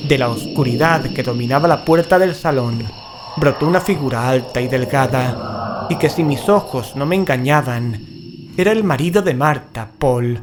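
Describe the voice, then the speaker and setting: An actor playing a frightened, cautious paranormal investigator in a horror audio drama, grave and dramatic. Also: male voice, medium pitch, moderate pace, noisy background, lightly acted. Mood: dread. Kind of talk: first-person horror audio drama narration and acting.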